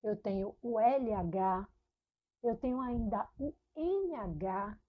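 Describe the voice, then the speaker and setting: A woman teacher giving a recorded lesson to children, speaking slowly and patiently, repeating sounds and asking questions, with a Brazilian Portuguese accent. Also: mid-range voice, animated, lo-fi sound. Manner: slow, patient, repeats syllables and asks questions. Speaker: primary school teacher.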